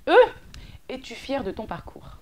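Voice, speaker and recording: A woman's voice: fairly high pitch, a little slow, a little hiss or hum. A woman hosting an interview, playful and enthusiastic, often laughing between questions. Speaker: interview host.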